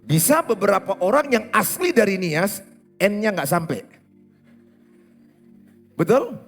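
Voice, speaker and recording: A middle-aged male pastor with a Batak lilt preaches in a church, his voice pitched high and swinging widely as he quizzes the congregation and mimics regional accents. Faint music plays behind him. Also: sing-song, takes it slowly, vocal fry, a bit bright. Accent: Batak-inflected Indonesian. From Indonesia. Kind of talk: sermon. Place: church hall.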